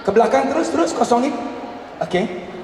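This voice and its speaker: A man's voice: very high-pitched, lively intonation, moderate pace, darkish tone. A man leading a storytelling workshop, talking to teachers in an emphatic, teasing way with rhetorical questions. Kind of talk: live workshop talk to teachers, theatrical storytelling. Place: large indoor hall at a live event. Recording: very echoey hall, far off, faint noise.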